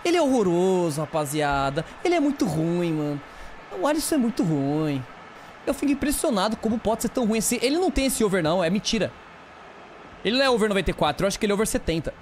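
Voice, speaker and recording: A Brazilian man streaming a football game, commentating live with a fairly high voice that leaps all over the place. He bursts out at his players in casual slang. Faint background noise sits under the recording. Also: fast talker. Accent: Brazilian Portuguese. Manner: excitable, shouts at players, slangy banter. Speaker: gaming streamer.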